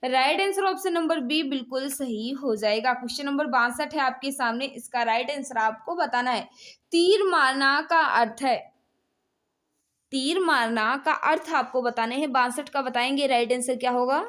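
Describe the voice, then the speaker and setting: Female Indian teacher, high-pitched, for exam quiz lesson; instructional delivery that keeps prompting students to answer. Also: moderate pace, a bit bright. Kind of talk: live exam quiz lesson, reading questions and giving answers.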